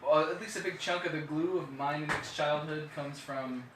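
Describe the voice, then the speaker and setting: A man's voice: a little high, steady tone, normal speed, distant mic, background noise. A man hosting a casual group talk, rambling with lots of fillers and restarts. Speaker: podcast host reading viewer questions. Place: radio studio. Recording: roomy studio audio from off-mic.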